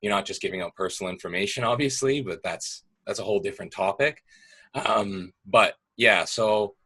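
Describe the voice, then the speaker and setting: Young man, very low voice with a bright edge, easygoing explainer on a video call. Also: normal speed, breathy edge. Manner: relaxed, explanatory, hedging with fillers. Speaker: guest speaking about gaming. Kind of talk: casual video call discussion.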